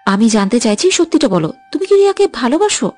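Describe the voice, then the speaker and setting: A woman playing a teasing, quick-tempered young woman. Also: fairly high pitch, very animated, mellow, dry recording, soft background music. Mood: sulky. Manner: playful, sulky and bickering. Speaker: heroine of an audio love story. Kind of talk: dramatized audio story.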